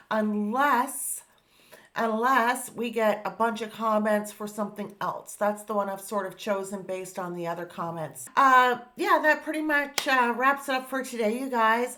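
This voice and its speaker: A woman's voice: a little high, sharp tone. A woman, hosting a casual music reaction video in an upbeat, chatty way with many fillers. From Canada.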